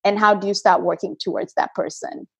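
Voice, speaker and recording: A woman's voice: mid-range voice, steady tone, gravelly, husky, no room sound. Woman from kenya chatting as a podcast guest, lots of ums, dry close sound. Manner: halting, with frequent fillers. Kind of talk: casual interview chat.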